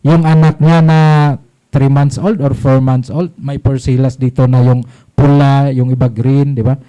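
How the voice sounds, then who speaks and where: A man's voice: medium pitch, little pitch movement, moderate pace, mellow, clean tone, highs cut off. A man, a Catholic priest teaching a catechism, who keeps asking short rhetorical questions and answering them in clipped phrases. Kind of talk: catechism talk to a congregation.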